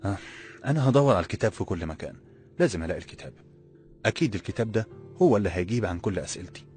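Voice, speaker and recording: A man doing a restless, bewildered young man with an Egyptian accent, his voice low and deep as he rushes through his words. He talks in a quick, exasperated colloquial way, as in an audiobook. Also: lively intonation, darkish tone, faint music behind, close to an everyday voice. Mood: determined. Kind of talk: audiobook character voice.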